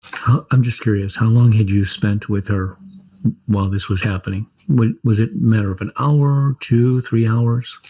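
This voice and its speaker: Low, flat-voiced male interviewer. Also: poor audio. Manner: measured, curious follow-up questions. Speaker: interview host. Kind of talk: interview questions.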